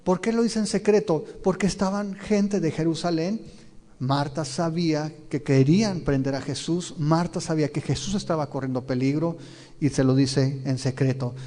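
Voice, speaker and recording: A man preaches a verse-by-verse Bible sermon in a somewhat high, mellow voice. He keeps turning to his listeners with questions and tells the scenes vividly. His voice rings with the long reverb of a large church hall. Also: steady tone, normal speed. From Mexico. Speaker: pastor.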